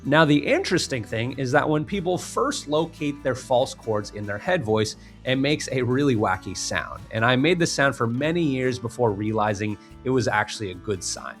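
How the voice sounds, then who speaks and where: Man, vocal coach, instructional, emphatic, gravelly edge, forceful tone, faint music behind. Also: mid-range voice, animated, moderate pace, hardly any pauses. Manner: emphatic step-by-step explaining. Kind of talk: instructional tutorial.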